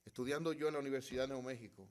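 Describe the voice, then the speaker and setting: A middle-aged man preaching from the pulpit, his voice sitting at an ordinary middle pitch. He swings from loud, emphatic bursts to quiet, hushed lines and keeps asking the congregation rhetorical questions. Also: rapid-fire, smooth. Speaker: pastor. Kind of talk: sermon.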